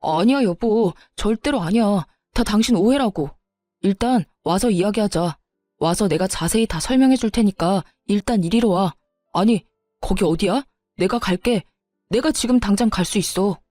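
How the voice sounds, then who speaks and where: A woman's voice: mid-range voice, moderate pace, warm tone, no room sound, faint music behind, lightly acted. A woman voicing a desperate husband who begs and then threatens by turns, in a narrated story. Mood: pleading. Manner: begging then threatening, flip-flopping. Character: desperate pleading husband, quick-tempered, married man. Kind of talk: story narration with voiced dialogue.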